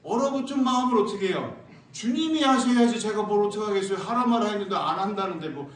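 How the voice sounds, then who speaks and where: Man, pastor, high voice, animated sermon storytelling, echoey church, distant mic. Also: quick pace. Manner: animated, acts out church members and sings hymn lines. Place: church sanctuary.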